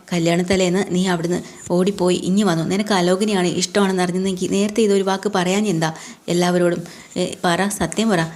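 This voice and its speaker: A reproachful middle-aged uncle, voiced by a woman retelling a serial. His talk runs low and fast, one scolding after another. He sounds hurt more than angry. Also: a little mellow, natural voice. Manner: reproachful, lecturing.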